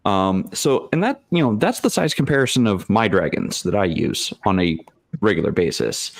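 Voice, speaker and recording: A man with a fairly low voice, recorded close and dry, chats casually on an online gaming panel. He speaks haltingly as he thinks aloud, with blunt, slangy turns of phrase. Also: sing-song, vocal fry, dry recording. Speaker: game master on a tabletop role-playing panel. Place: remote online video call.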